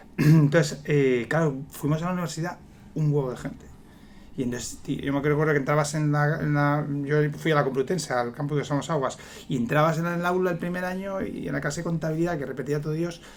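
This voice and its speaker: Talking at a very fast pace, a man with a fairly high pitch keeps his intonation fairly even amid audible room echo. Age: 50s. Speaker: event organizer. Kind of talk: casual chat.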